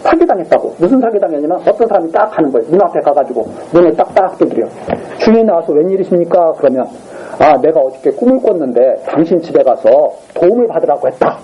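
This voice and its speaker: A man preaches a Sunday sermon in a fairly high voice that leaps up and down as he acts out the people in his story. He keeps asking the congregation to agree with him. The church recording sounds dull, with a faint hiss underneath. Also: fast. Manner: animated storytelling, acting out the king's lines. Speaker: pastor. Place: church sanctuary.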